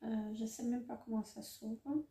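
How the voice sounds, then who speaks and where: A woman's voice: fairly high pitch, fairly even intonation, measured pace, vocal fry, dark tone. A middle-aged woman vlogger unboxing beauty products in a casual, hesitant way, with many fillers and self-corrections. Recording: roomy echo, faint noise.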